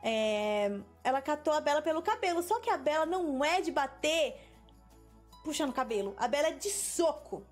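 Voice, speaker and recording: A young Brazilian woman tells a story in a casual, animated way, her voice high and full of swings in pitch. She acts out what people said as she goes, over faint music in the background. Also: normal speed. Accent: Brazilian Portuguese. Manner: animated, laughing storyteller who acts out quotes. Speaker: gaming video host. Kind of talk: casual storytelling while playing a game.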